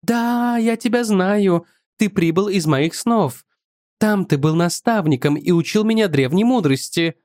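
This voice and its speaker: Man doing a young courtesan, dreamy, capricious, high-pitched, slow lingering phrasing, audiobook voice. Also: darkish tone, no echo, clean studio sound. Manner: wondering, capricious. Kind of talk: audiobook character voice.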